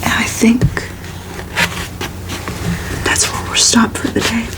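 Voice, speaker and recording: A woman reading a book aloud as ASMR in a hushed, breathy whisper with crackly edges. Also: on the high side. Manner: slow, hushed, even delivery. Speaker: ASMR reader and host.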